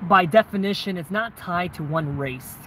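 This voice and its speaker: A man with an American accent projects a raised, high-pitched voice, speaking fairly slowly with lively intonation. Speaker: YouTuber. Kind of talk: casual chat.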